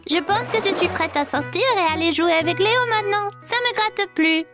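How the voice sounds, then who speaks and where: An adult actor voicing an excitable, impatient four-year-old boy in a children's cartoon, with childlike, expressive, drawn-out delivery. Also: very high voice, over music. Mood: hopeful.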